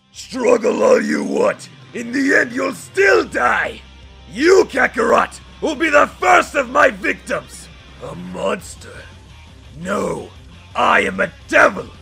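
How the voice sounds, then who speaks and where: Shouting in a put-on character voice, a man goes at a fairly slow pace over clear background noise. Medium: voice reel. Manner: menacing, taunting.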